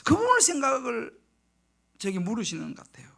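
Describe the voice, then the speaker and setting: A male pastor preaching a midweek sermon, telling a personal story with lively delivery and acting out his own prayers in hushed tones. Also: very high voice, a little fast, vocal fry. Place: church sanctuary.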